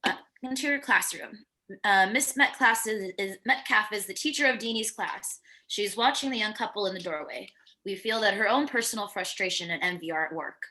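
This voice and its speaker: A woman reads screenplay directions aloud in a bright, clear-edged voice of medium pitch. She describes the action plainly, occasionally tripping on a word and picking it up again. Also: normal speed. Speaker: stage-direction narrator. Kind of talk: reading screenplay directions aloud at a virtual table read.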